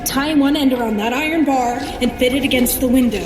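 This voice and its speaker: An actress playing a brisk, sarcastic, bossy sorceress superheroine in a scripted audio drama. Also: female voice, high-pitched, echoey room, distant mic, background noise, lightly acted. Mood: brisk, commanding.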